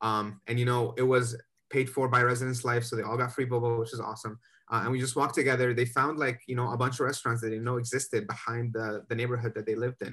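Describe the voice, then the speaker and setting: Against a quiet background, a man with an American accent rattles along at a very fast pace in a bright, sharp tone with monotone, flat intonation. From New England, US. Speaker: pharmacy student and resident assistant. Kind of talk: roundtable discussion. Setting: video call. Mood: friendly, upbeat. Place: home room. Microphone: webcam.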